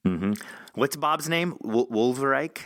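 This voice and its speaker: A man's voice: medium pitch, expressive, a little slow, fairly bright tone, no room sound. A man hosting a casual interview, chatting and putting questions to his guests. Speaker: podcast interviewer.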